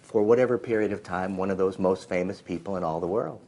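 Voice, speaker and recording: Deep-voiced man, dry and measured. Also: darkish tone. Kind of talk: retrospective interview.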